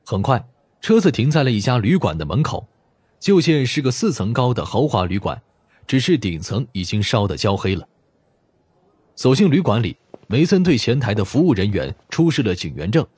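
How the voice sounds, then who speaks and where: A man's voice: medium pitch, very animated, normal speed, darkish tone, slightly rough, no echo. A man reading a mystery novel as a scripted audiobook narration.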